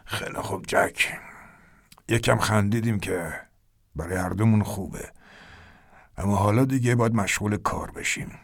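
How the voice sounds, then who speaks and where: A man voicing a grave, white-browed older man who speaks in a low, slow, measured hush. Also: creaky, no echo, clean studio sound.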